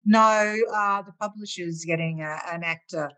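An Australian woman speaks as a guest author over a video call. Her low voice has a bright, forceful edge, and she talks in a lively way, quick to exclaim and laugh. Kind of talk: casual interview chat.

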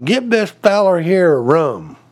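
A man voicing a kindly, sympathetic older man at a bar, gentle and folksy. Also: sits high, big pitch swings, measured pace, full character voice.

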